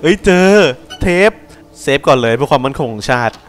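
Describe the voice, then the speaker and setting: A man's voice: mid-range voice, expressive, a little fast, faint music behind. A young man giving casual, crude, joking commentary while playing a horror game, talking back at the game. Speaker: gameplay commentator.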